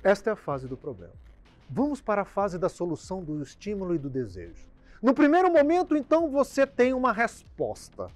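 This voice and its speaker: A Brazilian man, a doctor, explaining habits in an emphatic talk that swings from loud bursts to quiet endings. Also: on the high side. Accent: Brazilian Portuguese.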